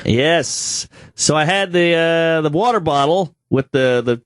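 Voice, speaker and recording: A man with a stuffed-up cold telling a story on a podcast in a lively, casual way, acting out both sides of the exchange. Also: on the high side, unhurried, smooth, no echo, studio quality. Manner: animated, acts out both sides of encounters. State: congested from a cold. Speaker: podcast co-host.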